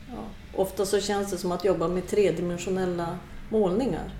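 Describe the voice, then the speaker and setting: In a recording with audible room echo and noticeable background noise, a woman speaks at a fairly low pitch. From northern Sweden (Skellefteå). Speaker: artist. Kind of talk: interview. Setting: artist's studio.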